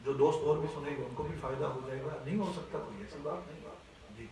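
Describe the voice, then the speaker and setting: A man's voice: fairly high pitch, heavy reverb, recorded from a distance, noisy background. A man teaching a class on Quran recitation, explaining step by step and often checking that his students follow. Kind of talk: classroom voice lesson.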